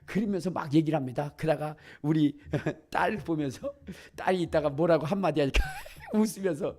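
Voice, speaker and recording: Husky, lively Korean pastor preaching. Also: male voice, a little high, normal speed. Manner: animated storytelling, acting out voices, builds to shouts. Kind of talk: sermon.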